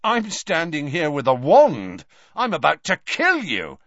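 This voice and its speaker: A man voicing a cornered teenage boy wizard who talks loudly, with a strained, rising voice. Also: very animated, moderate pace, no echo, lo-fi sound. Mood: desperate. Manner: loud, strained, voice rising in pitch.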